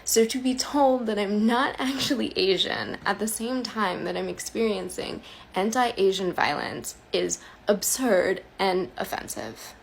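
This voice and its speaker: A woman creator making a firm, measured statement straight to camera. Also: mid-range voice, vocal fry, rough recording. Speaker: social media creator.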